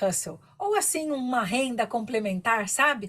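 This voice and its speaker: A woman's fairly high, lively voice, an ordinary speaking voice. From Brazil. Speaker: English teacher. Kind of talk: personal story. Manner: conversational.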